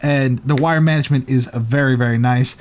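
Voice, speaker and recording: A man's voice: medium pitch, fairly even intonation, brisk, darkish tone. A man hosting a casual chat show, talking chattily and hesitantly with a slight lisp from a retainer. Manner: chatty, hesitant, lots of ums. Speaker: show host. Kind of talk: casual chat reviewing setups.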